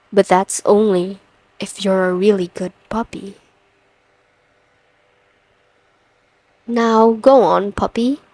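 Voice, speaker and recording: A woman plays a dominant lady boss in an intimate ASMR audio roleplay. She speaks slowly and deliberately, teasing and coaxing with calm command. The sound is dry, with no room around it. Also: medium pitch, no room sound. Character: confident, teasing, dominant female boss in a suit.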